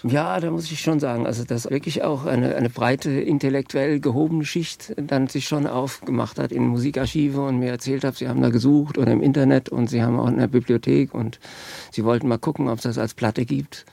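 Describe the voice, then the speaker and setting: A man speaks casually as a musician being interviewed. His mid-pitched voice has a strong gravelly creak. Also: fairly even intonation, fairly quick, dark tone, no echo.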